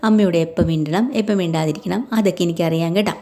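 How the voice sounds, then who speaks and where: A woman's voice: lowish voice, quick pace, natural voice. A woman voicing a curt young man who brushes others off sharply, in a retold family story. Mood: dismissive. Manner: sharp, dismissive.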